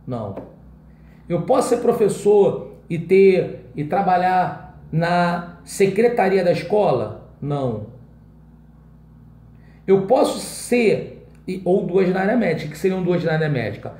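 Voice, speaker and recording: A man's voice: high voice, big pitch swings, slow pace, mellow, roomy sound. A man teaching an exam-prep class in Brazilian Portuguese in a casual way, often checking in with his students.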